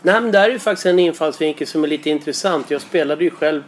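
A man from Stockholm with a Stockholm accent, chatting on a podcast as a lively storyteller. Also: fairly high pitch, a little hiss or hum. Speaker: podcast panelist. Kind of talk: casual podcast chat.

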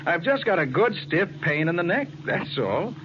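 An actor playing a cool, wry private detective with brisk self-assurance in 1940s radio style. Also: male voice, high-pitched, big pitch swings, loud music behind the voice. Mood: casually boastful. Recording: noisy, dull 1940s radio recording.

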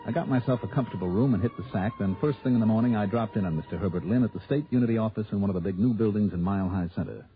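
Man voicing a radio detective, fast-talking, low voice, wry, tinny old broadcast with music. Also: lightly acted. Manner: dry, easygoing, quick narration. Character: brisk, wry male insurance investigator narrating his case. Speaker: insurance investigator lead. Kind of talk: 1960s radio drama acting and narration.

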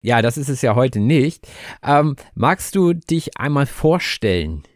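A man hosting a podcast for language learners, introducing the episode and interviewing a guest in a clear, measured way. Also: mid-range voice, big pitch swings, no room sound, studio quality. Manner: clear, measured, teacherly delivery. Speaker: podcast host.

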